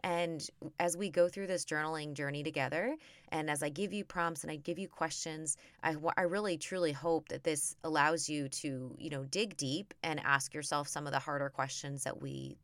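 A woman in her thirties hosting a podcast, chatting upbeat and encouraging, her voice slightly raspy from being sick. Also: low voice, steady tone, moderate pace, a bit bright, no room sound, clean studio sound. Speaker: podcast host. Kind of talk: casual chat.

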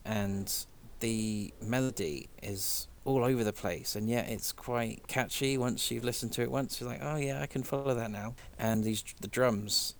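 A man's voice: mid-range voice, a little slow, hardly any pauses, slight background noise. A man in casual chat about music, enthusiastic and chatty, laughing easily as he talks.

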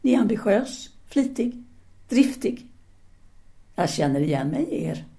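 Mellow-voiced actress as a brainy independent woman teacher, radio play, formal and a bit lecturing, pauses to think. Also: mid-range voice, big pitch swings. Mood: approving. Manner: formal, articulate, didactic, with hesitant pauses. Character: self-assured intellectual French woman teacher, 1930s Paris, independent-minded. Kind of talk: audio drama dialogue.

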